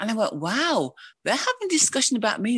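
A woman speaks at a fairly high pitch. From English Midlands, Wolverhampton. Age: 60s. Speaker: author, teacher. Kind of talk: interview.

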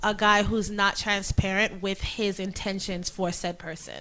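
A woman speaks in a normal speaking voice at a medium pitch. Her pitch variation is ordinary. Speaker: fashion website founder. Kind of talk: casual interview.

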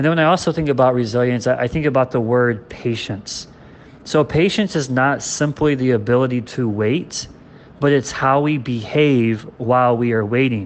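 At a moderate pace, a man uses an ordinary speaking voice at medium pitch, with ordinary pitch variation. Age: 30s. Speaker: basketball coach. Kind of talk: monologue talk.

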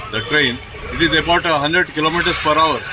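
A man speaks at a fairly high pitch. Noticeable background noise runs under his voice. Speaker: village resident or local representative. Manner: earnest, somewhat halting with fillers, explanatory.

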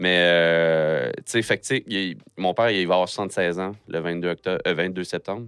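Moving at a very slow pace with hardly any pauses, a man speaks in a very deep, low pitch with fairly even intonation. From Quebec, Sorel-Tracy area. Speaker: musician and record producer. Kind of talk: casual interview. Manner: slow, pausing often.

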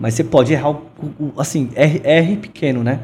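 A man talks at a moderate pace with a fairly high pitch. His voice is somewhat breathy. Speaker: startup co-founder and business director. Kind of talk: casual interview chat.

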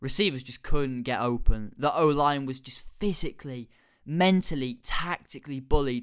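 Speaking in a British accent, a man has a medium pitch and ordinary pitch variation, his tone animated and enthusiastic. The recording is very clean, with a silent background. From UK. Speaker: podcast host. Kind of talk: casual sports commentary monologue. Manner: animated, enthusiastic.

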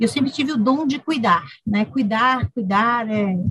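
A woman speaks with a fairly high pitch and a somewhat breathy quality. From Brazil, São Paulo. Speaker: physician and healthcare manager. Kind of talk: interview.

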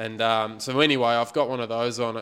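In an Australian accent, a man speaks at a medium pitch with monotone, flat intonation. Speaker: podcast co-host. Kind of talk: casual chat.

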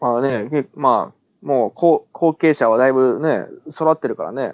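The recording of this man's medium-pitched voice is dry and close with no echo, and his pitch varies in an ordinary way. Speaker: podcast co-host. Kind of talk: casual chat. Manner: halting.

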